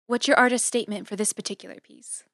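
A woman's voice: fairly high pitch, steady tone, quick pace, a bit bright, no echo, clean studio sound. A woman playing a grieving, introspective young woman in an audio drama, speaking in a hesitant, understated way. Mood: amused. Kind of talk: audio drama acting, naturalistic dialogue.

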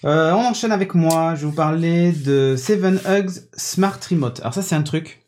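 A man with a fairly high, darkish-toned voice speaks at a moderate pace while demonstrating a gadget on his casual tech podcast. Enthusiastic and chatty, he hesitates often. The sound comes from a podcast studio microphone on a mixing desk.

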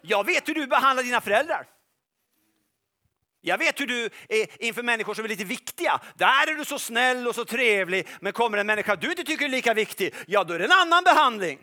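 A man's voice: very high voice, animated, pushed and bright, full character voice. A man preaching voices a sly male devil who mockingly lists a listener's faults with sarcastic, probing questions. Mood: taunting.

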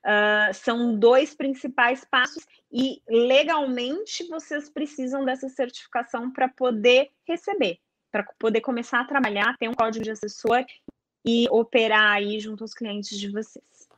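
A woman's voice: a little high, normal speed, a bit bright, no echo. A woman explaining a process step by step in casual chat, often checking in with "tá?" and posing questions to herself. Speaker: guest explaining investment advisor certification.

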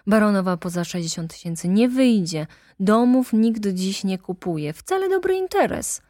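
A woman voicing a talkative older male lawyer who speaks in an animated, insistent way. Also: medium pitch, normal speed, no room sound, clean studio sound, voice pushed up, lightly acted. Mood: persuasive.

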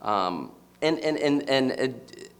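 A man in his thirties from the United States stands before a live audience and gives a personal talk. His voice sits at a middle pitch. He speaks reflectively and often stops to search for the right words. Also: sing-song, slow pace.

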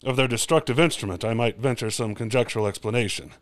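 A learned male professor played by an actor speaks in a resonant, mid-pitched voice. He is cautious and pedantic, explaining like a scholar in a radio play. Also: no room sound, studio quality, natural voice. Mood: cautious, scholarly. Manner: deliberate, erudite, pedantic.

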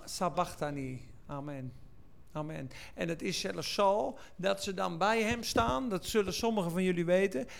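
A male preacher delivers a sermon in a high, gravelly voice. He speaks slowly and with weight, stretching words for emphasis. His tone stays smooth and resonant even when he rises to cry out or sing. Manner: slow, emphatic delivery, swelling to shouts and sung lines.

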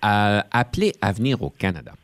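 A man's voice: on the low side, very animated, fairly quick, no room sound. A man hosting an interview in a studio, opening formally and then asking questions. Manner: formal, welcoming introductions. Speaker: host. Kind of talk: hosted interview.

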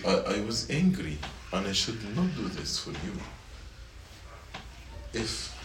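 Male youth teacher, deep bright voice, slow deliberate sermon, recorded from afar in an echoey room with faint noise. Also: distant mic. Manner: slow, repeats points, asks the students questions. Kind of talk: sermon to middle schoolers. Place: church meeting room.

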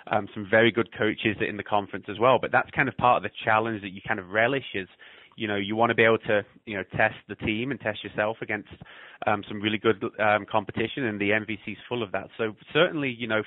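A man's voice: fairly low pitch, no room sound. A man with an English accent, a head soccer coach chatting in a radio interview, full of fillers and restarts. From England. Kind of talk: phone interview. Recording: tinny phone line.

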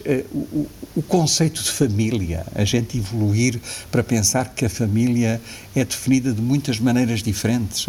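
Older Portuguese man, reflective and low. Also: a little hiss or hum. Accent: European Portuguese. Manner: reflective, frequent restarts and soft laughs. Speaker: guest. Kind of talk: casual interview conversation.

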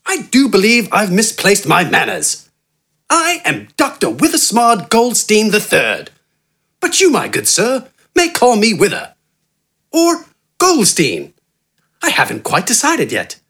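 Wither, a silky, eloquent gentleman voiced by a man. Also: sits high, breathy edge, voice pushed up, exaggerated voice. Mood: genteel. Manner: eloquent, relaxed, friendly, rapid and flowery. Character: refined, smiling gentleman doctor, unflappable and verbose.

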